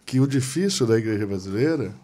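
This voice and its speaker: A man's voice: mid-range voice, animated, quick pace, warm tone. A man hosting a church podcast, sharing reflective thoughts in casual conversation. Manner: reflective, thinks aloud. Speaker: podcast host. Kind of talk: casual chat.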